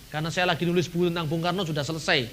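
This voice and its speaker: A middle-aged man from Indonesia giving an animated seminar talk, acting out dialogues and chuckling now and then. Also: fairly high pitch, very fast, slight background noise. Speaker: seminar speaker.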